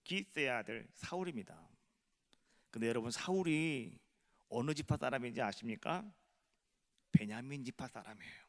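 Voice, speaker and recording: A male pastor preaching a sermon, retelling a story slowly and softly, then building to loud, fervent appeals. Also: medium pitch, expressive. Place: church sanctuary. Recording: echoey church hall.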